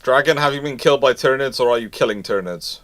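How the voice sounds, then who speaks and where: A man hosting a live history question-and-answer stream in casual chat, talking in a halting, rambling way with repeated words. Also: medium pitch, fairly bright tone. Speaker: host of a live naval history Q&A.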